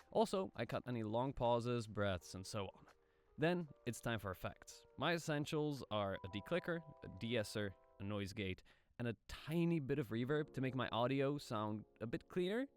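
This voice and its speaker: A man narrating a casual explainer video as an aspiring voice actor, informal and self-deprecating, posing rhetorical questions. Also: lowish voice.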